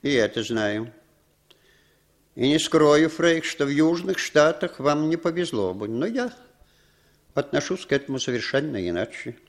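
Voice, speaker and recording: A man's voice: fairly high pitch, expressive, a little slow. A man playing a cynical, commanding American spymaster in a 1960s radio play, speaking with dry irony. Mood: probing. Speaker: intelligence chief.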